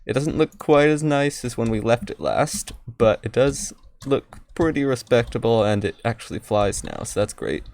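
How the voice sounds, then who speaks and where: A man giving casual, halting let's play commentary, often repeating words, his speech slightly impeded by wearing retainers. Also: medium pitch, expressive, creaky, a little mellow. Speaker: gaming video host.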